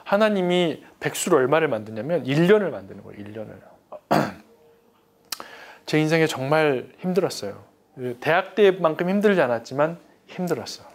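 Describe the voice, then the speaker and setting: A middle-aged man preaching a testimony sermon, emphatic, breaking into loud pleading prayers. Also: a little high.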